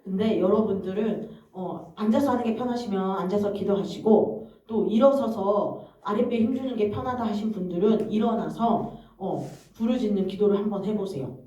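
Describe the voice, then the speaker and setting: A woman evangelist reading a teaching aloud and then explaining it to her congregation in a calm, instructive way. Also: mid-range voice, normal speed. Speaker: evangelist leading prayer. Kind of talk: reading aloud and explaining in a church prayer session. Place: church hall. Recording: distant mic in an echoey, dull-sounding church hall.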